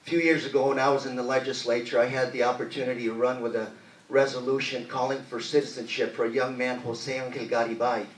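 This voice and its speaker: A man answering as a candidate in a political debate, earnest and measured. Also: mid-range voice, steady tone. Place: debate hall. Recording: echoey hall from far off.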